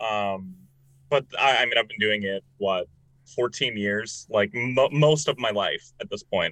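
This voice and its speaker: Using an unremarkable speaking voice, a man talks at medium pitch and a fairly slow pace with ordinary pitch variation. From Kansas City area, US. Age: 20s. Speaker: theater performer and student. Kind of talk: casual interview chat. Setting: video call, with blankets behind him.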